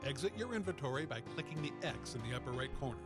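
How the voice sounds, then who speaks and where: A man's voice: mid-range voice, animated, racing, lightly acted. A man voicing a cheery, chatty interface assistant in a scripted game tutorial, instructing eagerly and theatrically over music. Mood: instructive.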